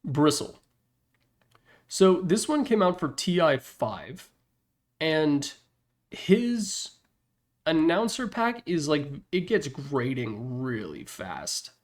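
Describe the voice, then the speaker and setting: A man's voice: on the high side, sing-song, slow pace, long pauses. A man giving casual, opinionated video game commentary as a presenter, speaking informally with slangy emphasis. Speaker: presenter ranking game announcer packs.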